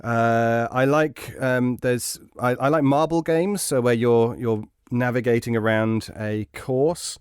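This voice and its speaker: Clear, smooth-voiced man, mild and hesitant. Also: medium pitch, fairly even intonation, takes it slowly, hardly any pauses, no room sound, clean studio sound. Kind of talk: casual chat.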